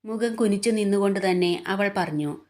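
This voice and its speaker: A woman storyteller narrating a romantic serial story in a steady reading voice. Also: mid-range voice, normal speed. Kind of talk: scripted narration.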